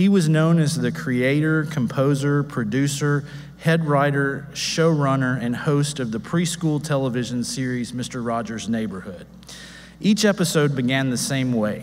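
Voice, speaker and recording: A man talks at a fairly slow pace with lively intonation. Light background noise can be heard. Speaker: presenter. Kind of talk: conference presentation. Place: stage. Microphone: podium.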